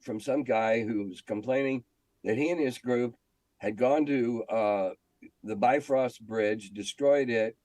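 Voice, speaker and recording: A man's voice: mid-range voice, a little mellow, dry recording, poor audio. Older American man, dry close sound. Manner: blunt, salty-tongued, opinionated. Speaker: veteran game editor being interviewed. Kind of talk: anecdotal interview reminiscence.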